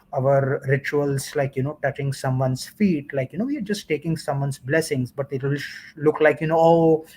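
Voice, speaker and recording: A man's voice: a little high, a little mellow, poor audio. Man peppering talk with "like, you know". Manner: constant "like, you know" fillers. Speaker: guest. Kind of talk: casual commentary chat.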